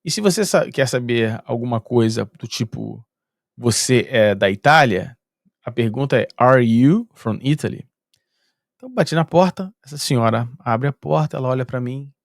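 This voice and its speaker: Middle-aged Brazilian professor, chatty storyteller, gravelly tone, dry recording. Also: male voice, mid-range voice, darkish tone, no room sound. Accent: Brazilian Portuguese. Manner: chatty, with a frequent "né". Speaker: university professor, vlogger. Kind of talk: casual storytelling monologue.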